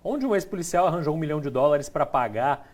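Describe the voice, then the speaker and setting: Man, talk-show host, joking banter, rapid, very animated pitch. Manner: quick, lively, joking banter. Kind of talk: casual news chat.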